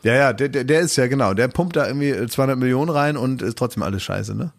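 A man hosting a relaxed talk show chat. He rambles and restarts his sentences as he thinks aloud, at a middle pitch. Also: fast talker, gravelly. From Oldenburg, northern Germany. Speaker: podcast host. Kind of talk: casual chat.

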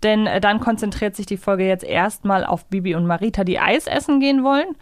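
A woman's voice: medium pitch, a little fast, no room sound, studio quality. A woman co-hosting a podcast in a casual discussion style. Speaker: podcast co-host.

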